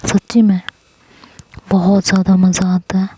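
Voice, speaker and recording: A woman's voice: mid-range voice, level tone, unhurried, dark tone, slight background noise, lightly acted. A woman voicing a playful young woman who teases and coaxes the girl she loves. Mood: teasing. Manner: teasing, coaxing.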